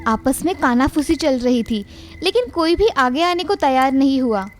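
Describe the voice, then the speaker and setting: Female storyteller, high voice, dramatic scripted narration over soft music. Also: expressive, normal speed.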